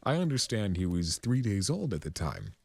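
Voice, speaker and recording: A man's voice: low-pitched, very animated, normal speed, gravelly, husky, pitched above the performer's own voice, heavily acted. A man voicing a timid, flustered male pegasus clerk in a cartoon fan story, hesitant, polite and literal. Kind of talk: cartoon fan fiction reading.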